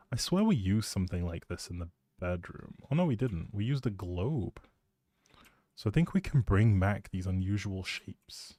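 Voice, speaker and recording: Male game streamer, mellow dark tone, informal rambling delivery, recorded dry and close on mic. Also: on the low side, dry recording. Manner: informal, thinking out loud. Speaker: live streamer.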